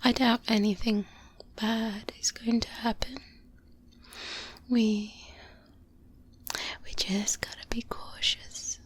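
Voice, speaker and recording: A woman playing a calm, cautious, seasoned vampire hunter mentoring a trainee, speaking softly and breathily with murmured pauses in an ASMR roleplay. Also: fairly high pitch. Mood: cautious, confiding. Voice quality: soft, breathy whispering. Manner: slow, hesitant, murmured pauses and hums. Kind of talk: soft-spoken ASMR roleplay. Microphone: close binaural microphone. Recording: close-up binaural with clear background noise.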